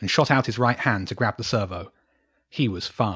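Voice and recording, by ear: Pitch varies in an ordinary way. Someone reads aloud in a natural voice against a quiet background.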